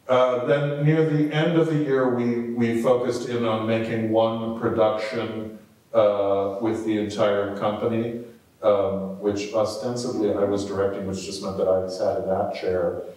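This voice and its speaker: A man leading a theatre panel discussion, talking in a relaxed, halting way with many fillers. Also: lowish voice. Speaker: theatre company leader moderating a panel. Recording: echoey hall, mic far off.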